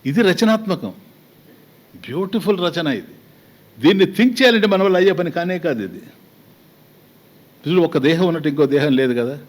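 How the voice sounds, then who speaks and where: A man's voice: on the high side, lively intonation, moderate pace, long pauses. A man with a Telugu accent giving a spiritual discourse as a swami, talking conversationally with many rhetorical questions and acted-out little exchanges.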